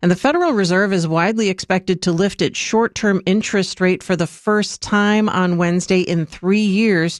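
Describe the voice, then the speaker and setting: Radio news reader, measured and even delivery, dry recording. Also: mid-range voice, no room sound. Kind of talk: radio newscast.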